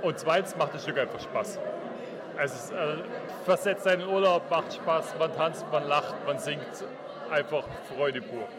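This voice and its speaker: A man's voice: a little high, moderate pace, crowd noise. A man from a theatre audience, making emphatic, structured points. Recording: clear background noise.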